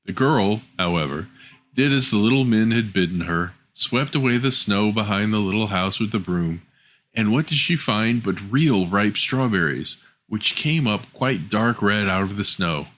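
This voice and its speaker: A man's voice: lowish voice, animated, normal speed, a bit bright. A man reading a scripted fairy tale as a storyteller.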